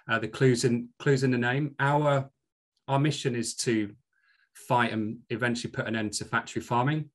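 A middle-aged man with a Scottish accent, speaking as a podcast guest in an earnest, hesitant way. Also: medium pitch. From Scotland. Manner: earnest, with frequent fillers and restarts. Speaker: guest, commercial director. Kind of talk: podcast interview.

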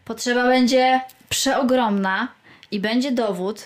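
A woman with a highish voice co-hosts a casual podcast. She talks in a playful, slightly theatrical way and giggles easily. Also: unhurried. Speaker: podcast co-host.

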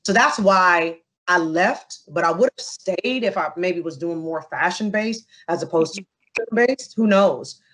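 Expressive woman telling stories in an interview. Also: lowish voice, a little slow, low-quality recording. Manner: animated, expressive storytelling with asides to the listener. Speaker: interview guest. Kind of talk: casual interview conversation.

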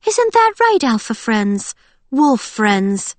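A woman narrator acts out a fragile, dreamy young woman. The voice is lifted high and lilts with childlike politeness. It is storybook madness, sweet and eccentric, in a dry recording. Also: sing-song, slow pace, no echo.

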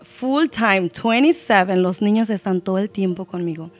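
A woman's voice: mid-range voice, normal speed, faint music behind. A woman singer giving a heartfelt personal testimony in a Christian podcast interview, with English words mixed into her Spanish. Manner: heartfelt, emotional storytelling, mixes English words.

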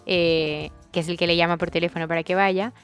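A woman co-hosting a podcast in casual chat, a rambling storyteller who speeds up in quick bursts. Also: lowish voice, steady tone, clear, resonant tone, faint music behind. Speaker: podcast co-host.

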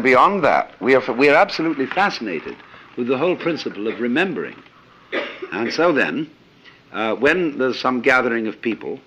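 Older male lecturer, philosophical and anecdotal, very animated intonation, thinking aloud with "you see.". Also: medium pitch, highs cut off. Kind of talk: reflective spoken lecture.

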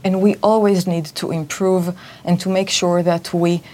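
A woman from Israel answers questions in a radio studio. Her voice sits slightly low, and she speaks in a firm, formal and measured way. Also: level tone, mellow, a little hiss or hum. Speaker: diplomatic representative. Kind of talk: interview answers.

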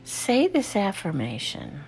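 A woman guiding a Christian meditation in a soft, often whispered voice, with slow, soothing prompts. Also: medium pitch, huge pitch swings, low-quality recording. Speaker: meditation guide. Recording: music playing underneath.

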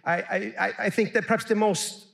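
A man's voice: sits high, normal speed, creaky. A middle-aged man from Sweden, a pastor preaching a sermon and calling on the congregation to answer back. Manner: animated, calls for audience responses.

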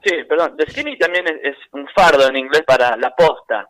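A man's voice: a little high, fairly quick, dry recording, rough recording. A man from Philadelphia with an American accent, a guest author on the phone telling anecdotes with lots of restarts. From Philadelphia, United States. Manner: chatty, animated anecdotes with many restarts. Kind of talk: phone interview, storytelling. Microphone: phone line.

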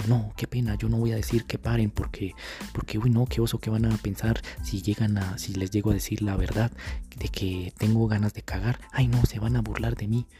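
A man's voice: lowish voice, mellow. A young man with a Colombian accent talking in a casual monologue as a dating coach. He is crude and slangy, and he acts out the voices he quotes. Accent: Colombian Spanish.

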